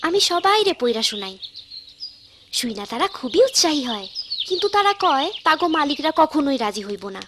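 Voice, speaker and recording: Woman voicing bright eager cartoon girl. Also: high voice, sing-song, normal speed, noisy background. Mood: narrating. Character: cheerful curious village girl. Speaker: narrator and lead character. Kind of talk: cartoon voice acting.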